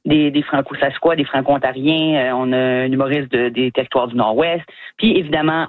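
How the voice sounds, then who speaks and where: A woman's voice: low-pitched, dry recording. A woman comedian with an Acadian French accent, chatting as a guest in a radio interview, laughing easily and restarting her words. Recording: tinny phone line, dry.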